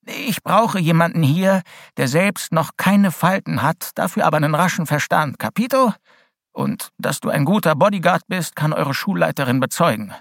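A man's voice: on the high side, expressive, moderate pace, creaky, a bit bright, no room sound, studio quality, pitched above the performer's own voice, full character voice. Man voicing a growling old ex-cop headmaster. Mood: gruff, bitter. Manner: growling, curt. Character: gruff bitter old male headmaster, ex-cop.

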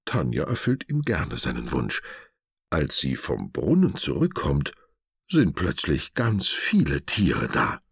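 A man narrating a children's storybook in an animated, expressive way. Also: rumbling low, slow pace, creaky, husky, no room sound, studio quality.

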